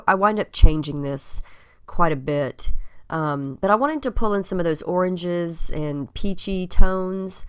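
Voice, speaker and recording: A woman with a cold-scratchy voice, giving a relaxed, chatty voice-over of her craft process with frequent ums. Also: low-pitched, clean tone. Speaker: scrapbook crafter. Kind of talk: casual voice-over narrating a craft process video.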